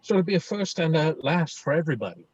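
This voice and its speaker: Man playing friendly young guy, hesitant, earnest, lightish higher pitch, film script read, dry dull lo-fi audio. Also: very animated, fast, husky, dry recording. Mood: friendly, chatty. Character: friendly, mock-menacing young Swedish man, earnest and sensitive. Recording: dull, lo-fi video-call audio.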